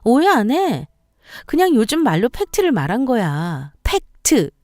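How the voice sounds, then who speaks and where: A woman's voice: fairly high pitch, huge pitch swings, a little slow, a little mellow, dry recording, soft background music, voice pushed up. Woman voicing a sneering, bossy sister-in-law. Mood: mocking. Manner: sarcastic, bossy, needling. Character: sharp-tongued, sneering sister-in-law, a mother.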